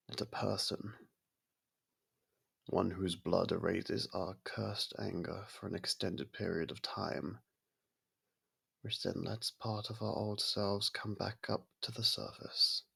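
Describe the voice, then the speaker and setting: A man playing a courteous, brooding vampire in an intimate ASMR audio roleplay, with a gravelly, husky voice and halting, hushed delivery. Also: sits low, heavily acted. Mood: reflective, wistful. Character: brooding male vampire, courteous, softened toward a human. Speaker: voice actor.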